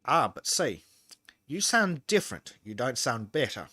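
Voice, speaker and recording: A man's voice: mid-range voice, very animated, unhurried, pushed and bright, breathy edge, no echo. Profane, lecturing Australian man. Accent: Australian, mixed with American and English. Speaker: podcast host. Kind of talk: casual podcast chat.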